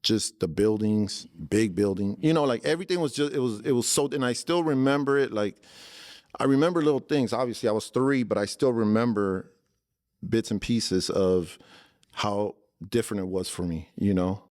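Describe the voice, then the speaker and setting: A man in his forties from Los Angeles talks easily as a podcast guest, with a somewhat low voice. He circles back and restarts his sentences in a loose, chatty way. The sound is dry and close. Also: moderate pace, dry recording. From Los Angeles, born in El Salvador. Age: 40s. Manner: relaxed, loose, peppers talk with "man", frequent restarts. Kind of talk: casual interview talk.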